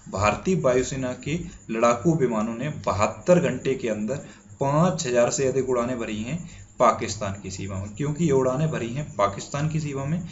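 A man's voice: medium pitch, lo-fi sound, a little hiss or hum. Man explaining exam quiz answers. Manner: repeats key answers, asks and answers his own questions. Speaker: current affairs exam tutor. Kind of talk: spoken quiz lesson.

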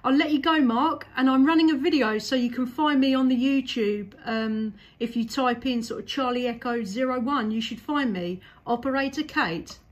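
A woman with a high-pitched voice speaks as a CB radio operator. She sounds enthusiastic and chats casually into a desk microphone, trading call signs and remarks with another station. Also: normal speed, hardly any pauses, lo-fi sound, a little hiss or hum. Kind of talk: casual radio contact chat.

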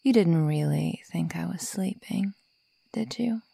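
A woman voicing a sadistic, predatory werewolf girl who taunts her prey in a breathy whisper, in an ASMR roleplay. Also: lowish voice, warm tone, no echo, heavily acted. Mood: taunting, amused menace. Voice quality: breathy, mostly whispered, creaky. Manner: slow, taunting, menacing.

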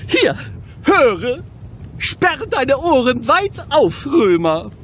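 An actor playing a vain, touchy Gaulish bard with a grandiose, affected manner in a comic radio play. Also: male voice, extremely high pitch, very animated, very slow, a bit bright, slight background noise, exaggerated voice. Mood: indignant. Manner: grandiose, affected, self-important. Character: vain, touchy male Gaulish bard proud of his singing.

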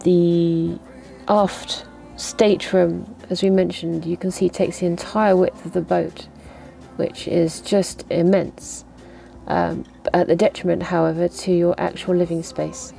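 A young adult woman calmly explaining boat layouts in a measured voice-over, with some fillers. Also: on the low side, creaky, soft background music.

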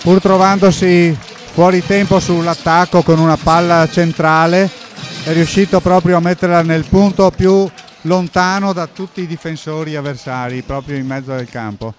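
High-pitched man analysing live volleyball. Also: fairly even intonation, moderate pace, faint music behind. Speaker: volleyball co-commentator giving technical analysis. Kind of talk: live sports commentary, analysing plays.

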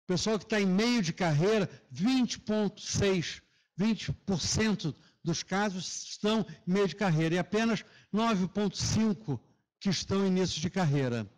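Male academic lecturer, Rio Carioca accent, slightly high-pitched, s pronounced as hushing sh, semi-formal classroom delivery. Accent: Carioca (Rio de Janeiro) Brazilian Portuguese. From Rio de Janeiro, Brazil. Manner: hushing sh sound for s. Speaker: lecturer, professor. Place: lecture auditorium.

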